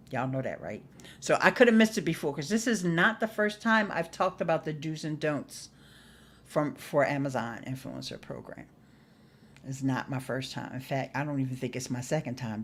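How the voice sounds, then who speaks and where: A middle-aged woman chatting casually to livestream viewers as host, folksy and playful, leaning on words for emphasis. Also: low-pitched. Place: small indoor home studio. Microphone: desktop microphone close by.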